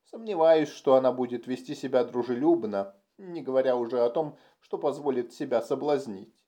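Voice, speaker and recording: A man's voice: mid-range voice, normal speed, warm tone, natural voice. A man voicing a weary, self-deprecating human adventurer in an audiobook, speaking in a glum, wry way. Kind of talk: audiobook character voice.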